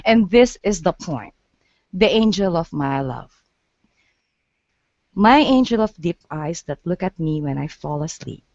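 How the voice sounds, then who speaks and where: A woman's voice: fairly low pitch, animated, darkish tone, no echo. Woman reading her poem, dull line. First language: Portuguese. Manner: earnest, halting, restarts words. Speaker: guest poet.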